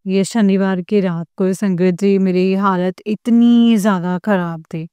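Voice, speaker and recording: Slow, halting older woman giving testimony. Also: medium pitch, fairly even intonation, mellow, clean tone, dry recording. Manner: halting, with frequent pauses and respectful address to the congregation. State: weak after a fever. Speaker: devotee sharing a testimony. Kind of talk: devotional personal testimony.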